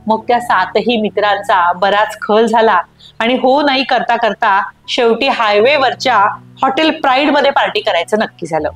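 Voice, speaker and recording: Woman, expressive story reading, somewhat high pitch, faint background music. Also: normal speed. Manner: voices friends' dialogue with raised excited pitch. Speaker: story reader.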